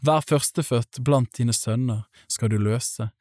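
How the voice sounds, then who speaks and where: The Lord as a solemn, commanding deity, read by a man in a calm, measured storybook manner. The voice is mid-pitched and dry, close to the mic, with slow deliberate phrasing. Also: dry recording, close to an everyday voice.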